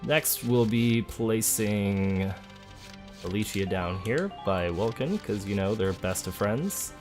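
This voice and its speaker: A man giving relaxed, chatty gameplay commentary as a let's play host, thinking aloud as he goes. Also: lowish voice, takes it slowly. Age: adult, parent of a school-age child. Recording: game music behind the voice. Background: video game music.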